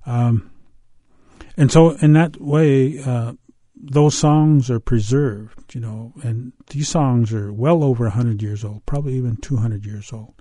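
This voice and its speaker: An older man from the US Pacific Northwest telling a folk tale and talking about old recordings, in a halting, unhurried way with many pauses and fillers. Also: mid-range voice, warm tone, dry recording, clean studio sound. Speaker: storyteller. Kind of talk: oral storytelling and interview.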